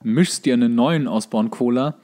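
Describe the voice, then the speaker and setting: A man's voice: mid-range voice, normal speed, mellow. A man co-hosting a podcast, recounting anecdotes in colloquial, conversational speech. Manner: colloquial, acts out dialogue in stories. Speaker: podcast co-host. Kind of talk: casual chat, anecdotes.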